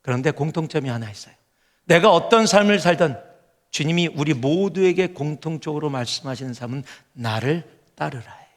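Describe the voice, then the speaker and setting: Male pastor, middle-aged, sermon delivery, high-pitched, long hall reverb, shifts from hushed to animated. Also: brisk. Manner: swings from hushed earnest lines to loud animated storytelling. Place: large church sanctuary.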